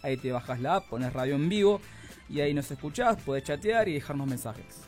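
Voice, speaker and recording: A man's voice: on the high side, animated, brisk, darkish tone, faint music behind. A man with an Argentine Spanish accent, a teacher co-hosting a radio show in easygoing chat. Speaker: radio show co-host and schoolteacher.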